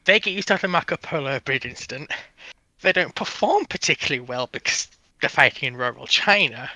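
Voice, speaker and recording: A male panelist with a very bright, forceful voice, pitched a little high. He explains history in measured, short clauses, in casual chat. The recording is close and dry. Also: expressive, no echo. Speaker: livestream panelist.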